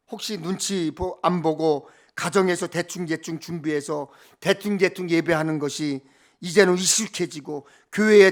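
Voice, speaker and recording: A middle-aged man preaching as a pastor, moving between emphatic declaiming and conversational asides, with rhetorical questions and repeated phrases. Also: a little high.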